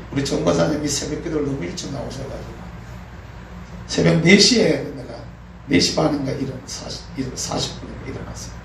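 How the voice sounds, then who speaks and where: A man's voice: fairly high pitch, vocal fry. A middle-aged man preaching a sermon in a folksy way, acting out prayers and grumbles with frequent laughs. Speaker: pastor. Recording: echoey room, mic at a distance, faint noise.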